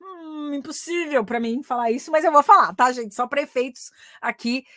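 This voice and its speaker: A woman whose first language is Portuguese, teaching an English grammar lesson online in a lively, chatty way, often checking in with "ok?" and slowing down to spell out English example sentences. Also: sits high, no echo, clean studio sound. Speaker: English teacher and career mentor.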